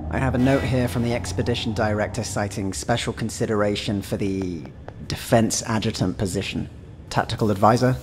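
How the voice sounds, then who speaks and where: A man acting in an audio drama as a brisk spaceport permits official with a formal, procedural manner. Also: on the low side, fairly even intonation, a little mellow, a little hiss or hum, close to an everyday voice. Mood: officious.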